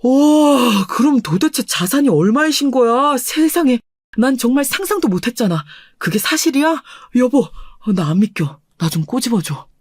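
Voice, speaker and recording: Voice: medium pitch, big pitch swings, moderate pace, dry recording, clean studio sound. A performer voicing an earnest, deferential husband in his thirties in a dramatized radio story. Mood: amazed.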